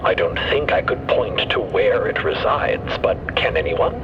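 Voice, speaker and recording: A man playing a thoughtful scientist whose mind lives in a mechanical body, speaking deliberately and analytically in an audio drama. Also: low-pitched, lively intonation. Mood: reflective. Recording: dull band-limited sound with background noise.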